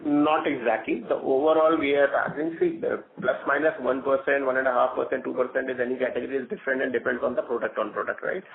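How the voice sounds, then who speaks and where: A man with an Indian accent, a company executive answering questions on an earnings call in halting, loosely phrased explanations. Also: mid-range voice, flat delivery, gravelly. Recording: thin, narrow phone-line sound.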